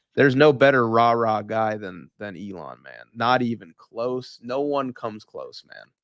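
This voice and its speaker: An animated man speaks at a medium pitch in a very clean recording with a silent background. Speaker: crypto and markets livestream co-host. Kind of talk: casual chat. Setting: live stream. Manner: loud.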